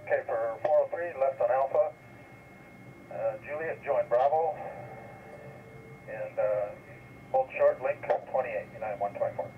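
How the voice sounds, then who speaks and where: A man speaks as a pilot on air traffic control radio with a mid-pitched voice. His readbacks are clipped. The sound is distant and muffled. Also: unhurried, pauses often. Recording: muffled, noisy cockpit radio transmission.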